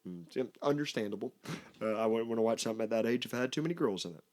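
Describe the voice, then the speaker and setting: A man's voice: medium pitch, expressive, darkish tone. A man in his thirties, hosting a podcast in a loose, rambling way. He pokes fun at himself and laughs easily between his tangents. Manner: rambling storyteller, self-mocking, quick to laugh. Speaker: podcast host. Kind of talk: casual chat.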